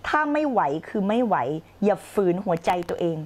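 Blunt, animated woman life coach. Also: medium pitch, normal speed. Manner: blunt, slangy and animated, acting out her past self with shouted outbursts. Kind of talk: live-streamed motivational talk.

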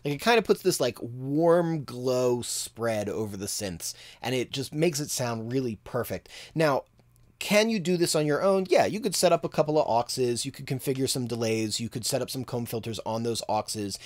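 A man's voice: mid-range voice, moderate pace. A man in his thirties giving a casual tutorial on mixing from a home studio, thinking aloud as he works. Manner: relaxed, thinking aloud with fillers. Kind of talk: casual screen-share tutorial.

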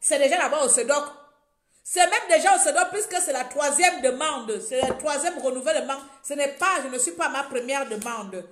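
A woman from Gabon speaks straight into a phone held at arm's length, her high voice bouncing around a small, echoey room. She rants with rising indignation, repeating words and pressing her points louder and louder. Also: moderate pace, a little hiss or hum. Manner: indignant, repeats herself, grows louder and emphatic. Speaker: vlogger. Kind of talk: impassioned direct-to-camera rant. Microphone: phone camera at arm's length.

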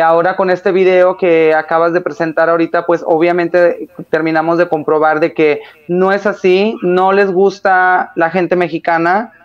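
Scornful male co-host, flat and dull-sounding. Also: sits high. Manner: scornful, disappointed. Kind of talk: gossip commentary.

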